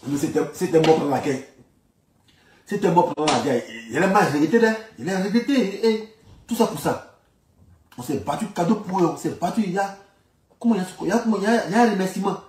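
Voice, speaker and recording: Echoey, higher-pitched Ivorian man. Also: lively intonation, fast talker, darkish tone, a little hiss or hum. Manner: repeats phrases emphatically, colloquial. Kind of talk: informal political commentary. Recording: echoey room, distant from microphone.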